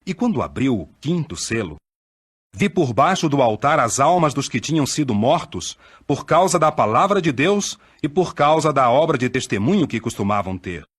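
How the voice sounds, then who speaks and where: A man giving a solemn, declamatory scripture reading, measured, with dramatic swells. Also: mid-range voice, sing-song, a bit bright, slightly rough. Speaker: scripture reader.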